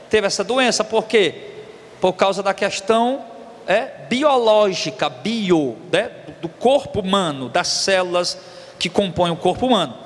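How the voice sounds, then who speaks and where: Recorded in a large hall, this man's voice is extremely high and a bit bright. He is a Brazilian pastor in his forties with a Brazilian Portuguese accent, preaching emphatically, repeating key words, and addressing the congregation as brothers.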